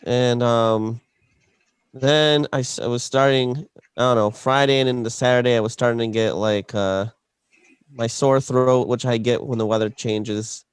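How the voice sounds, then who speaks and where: Male podcast co-host, mid pitch, loose rambling delivery, dry close mic. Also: steady tone, measured pace, smooth, no echo. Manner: rambling storyteller, many fillers and restarts. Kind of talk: casual chat.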